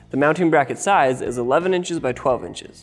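Faint music plays in the background as a man speaks at a fairly quick pace with ordinary pitch variation. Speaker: presenter. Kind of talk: tutorial. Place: studio. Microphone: lapel.

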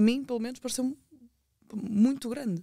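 High pitch from a woman with a European Portuguese accent, a dark, mellow tone, and a moderate pace. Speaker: podcast host. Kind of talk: casual chat. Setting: studio.

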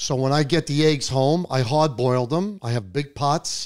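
Speaking at a moderate pace over a quiet background, a man with a Brooklyn accent has a fairly high pitch. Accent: Brooklyn New York. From New York. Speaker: show guest. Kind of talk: casual chat. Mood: relaxed anecdotal storytelling. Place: office. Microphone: handheld.

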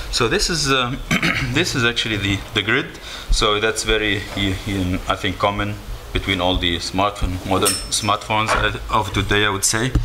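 A man's fairly low voice at a moderate pace, with ordinary pitch variation, long, frequent pauses and noticeable background noise. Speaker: conference presenter. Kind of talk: lecture. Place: hall. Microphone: camera far.

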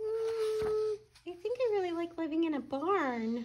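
A squeaky, cartoonish character voice at an extremely high pitch, delivered at a fairly slow pace. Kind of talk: children's storytime puppetry. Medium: puppet show. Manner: brief, sweet, agreeable.

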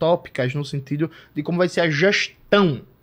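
Against a quiet background, a man with a fairly high pitch speaks with ordinary pitch variation. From Brazil. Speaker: communist commentator. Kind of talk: political discussion. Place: home room. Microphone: studio mic.

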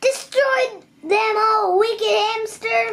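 In a put-on character voice, a woman squeaks at an extremely high pitch. She speaks at a very slow pace. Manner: loud, commanding.

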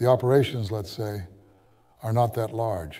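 At a moderate pace, a somewhat breathy man speaks with fairly even intonation against a quiet background. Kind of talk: interview answer. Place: office. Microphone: lapel.

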